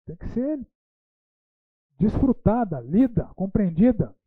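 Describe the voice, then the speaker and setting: This man's voice is high, very animated, slow, and a little rough, with no room sound. He teaches a Bible school lecture, asking rhetorical questions and ending his sentences with frequent "né" tags. The recording sounds tinny and dry, like a phone.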